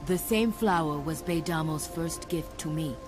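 An actress playing a calm, supportive alien tribal woman in a video game, with a tribal accent and measured, broken English. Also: deep voice, over music, close to an everyday voice. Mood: earnest, resolute. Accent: foreign-sounding invented tribal accent. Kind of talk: video game cutscene acting.

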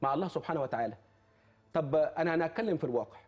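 Man, Egyptian accent, talk-show guest. Fervent preacher who quotes scripture, high voice, rapid delivery. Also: animated. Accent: Egyptian Arabic. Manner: impassioned, quotes scripture, repeats oaths. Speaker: charity foundation guest.

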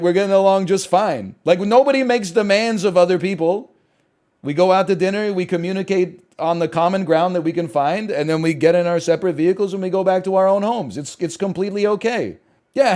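A man in his thirties riffing casually while streaming games, animated and swinging between loud and quiet for comic bits, on a headset mic at home. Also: high voice. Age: 30s. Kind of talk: casual gaming stream chat. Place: small room at home.

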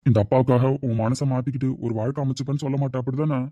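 A man's voice: medium pitch, fairly even intonation, rapid-fire, dark tone, no room sound, close to an everyday voice. A man playing an older father weighed down by guilt over his daughter, talking in an earnest, heavy-hearted way. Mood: sorrowful. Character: grieving aging father, guilt-ridden and tender. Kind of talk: amateur family drama acting. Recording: dull lo-fi sound.

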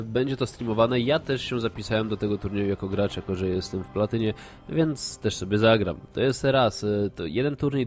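A man with a fairly low, stuffed-up nasal voice and a Polish accent gives an informal update as a gaming streamer. He sounds like he has a cold and explains things loosely and hesitantly. Music plays behind him. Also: darkish tone. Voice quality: congested, nasal from a blocked nose. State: has a cold with blocked nose. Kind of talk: informal announcement to viewers.

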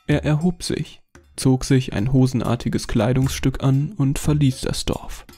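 Male narrator, horror story, measured delivery, gravelly voice, mellow tone. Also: mid-range voice. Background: faint music.

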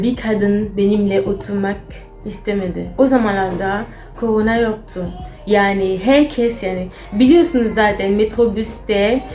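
A young adult woman from Cameroon with a Cameroonian accent, a non-native learner speaking halting, broken Turkish as she tells stories casually to camera. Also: mid-range voice, darkish tone. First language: not Turkish, a foreign learner. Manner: foreigner's broken Turkish, halting with word searches. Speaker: vlogger. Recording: roomy echo, faint music.

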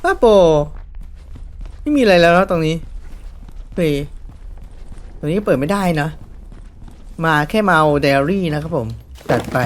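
A man's voice: on the high side, lively intonation, unhurried, long pauses. A man giving casual horror game commentary in a chatty way, nervously talking himself through the scary parts. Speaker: gaming YouTuber.

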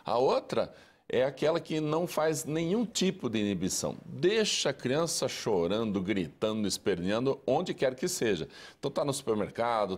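A man, an educator answering interview questions in a measured, lecturing way. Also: medium pitch, a little mellow. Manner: measured, lecturing, lists steps.

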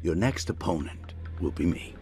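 A man voicing a stern, clipped old red panda martial arts master in an animated film. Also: low-pitched, normal speed. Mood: cool menace. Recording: film soundtrack with prominent music.

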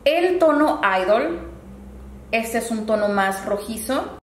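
Chatty high-voiced beauty vlogger. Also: female voice, animated, slow pace. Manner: chatty, upbeat and friendly. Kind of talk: casual product review. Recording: echoey room, faint ambient noise.

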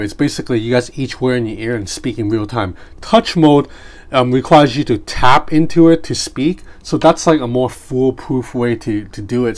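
A man whose first language is Cantonese, reviewing a gadget in a relaxed, chatty way from a tabletop indoors, talking into a separate mic as he demonstrates. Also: mid-range voice. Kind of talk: casual product review. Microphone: separate mic near the desk.

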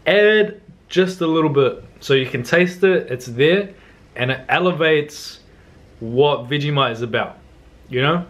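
A young man with a voice a little higher than most men's. He talks like a cooking vlogger, giving laid-back, slangy instructions in a casual style. He is recorded in a home kitchen. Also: unhurried. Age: young adult.

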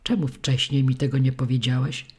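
A woman's voice: rumbling low, level tone, brisk, a little mellow. A woman reading an audiobook, voicing an earnest five-year-old girl in a raised, childlike voice. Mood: relieved. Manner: serious, childlike chatter.

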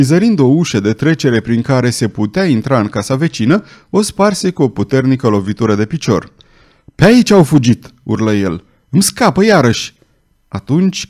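A male narrator reading an adventure audiobook with dramatic expression. His pitch sits at a middle level but moves through a wide, animated range.

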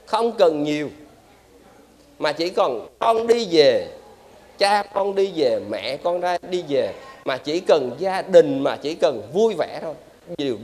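A man, a Buddhist monk giving a lively dharma talk and quizzing his audience. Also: high-pitched.

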